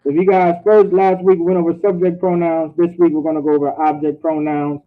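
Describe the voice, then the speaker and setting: A man's voice: a little high, flat delivery, fast talker. A man teaching an online language class, repeating phrases and checking in with "all right?". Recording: tinny phone-like audio.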